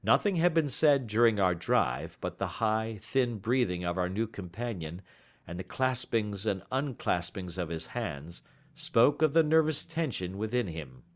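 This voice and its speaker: A man narrating a classic story in an expressive reading voice. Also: on the low side, unhurried. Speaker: audiobook reader.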